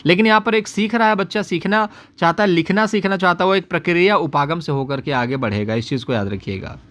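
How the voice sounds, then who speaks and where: Fast, high-voiced Hindi exam coach. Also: male voice, fairly bright tone. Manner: explains fast, repeats key answers and says "याद रखिएगा"; addresses students directly, quotes their comments. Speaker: exam prep teacher. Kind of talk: exam paper analysis lesson.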